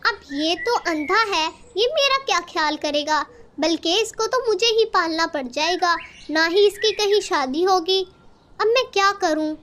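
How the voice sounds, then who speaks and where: A woman's voice: very high-pitched, animated, unhurried, fairly bright tone, full character voice. A woman voicing a heartless mother crow in a cartoon story, complaining and cold.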